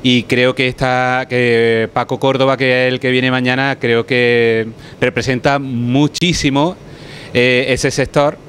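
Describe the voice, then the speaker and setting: Male chef in his 50s, calm explainer, kitchen interview, faint rumble under the voice. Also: unhurried. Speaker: head chef. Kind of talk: casual interview. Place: restaurant kitchen, indoors. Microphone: handheld reporter mic.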